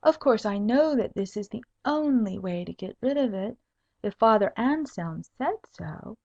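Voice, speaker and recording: A woman's voice: medium pitch, expressive, unhurried, creaky, darkish tone. A woman voicing a sly, pert young noblewoman, a coaxing daughter in a humorous storybook tale. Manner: girlish, coaxing, haughty when teased. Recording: dull lo-fi audiobook recording.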